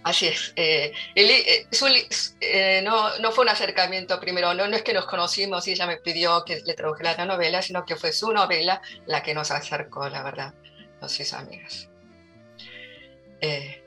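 A woman's voice: fairly low pitch, normal speed, pushed and bright, faint music behind. A middle-aged woman with an Argentine Spanish accent, answering interview questions as a literary translator, hesitant with many fillers and restarts. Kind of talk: interview answers at a public talk.

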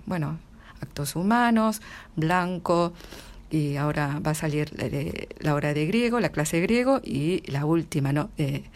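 A middle-aged woman with an Argentine Spanish accent, chatting as an interview guest, with many restarts and frequent laughter. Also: sits low. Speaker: literary translator, guest. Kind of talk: casual interview answers.

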